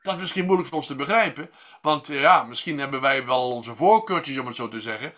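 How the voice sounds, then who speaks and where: A man preaching a sermon, measured and pausing often with fillers and restarts, lifting his voice on key words. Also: mid-range voice, animated, bright, forceful tone.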